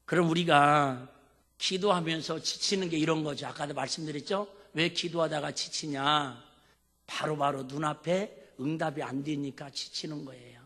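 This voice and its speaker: A man's voice: a little high, steady tone, moderate pace, a bit bright. A male pastor preaching a sermon, emphatic and asking the congregation questions. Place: church sanctuary. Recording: long hall reverb.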